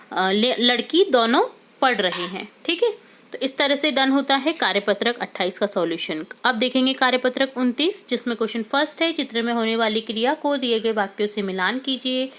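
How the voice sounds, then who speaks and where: A woman teacher patiently working through a grammar worksheet step by step, often pausing to check in with her students. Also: fairly high pitch, fairly bright tone. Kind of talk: worksheet solution lesson.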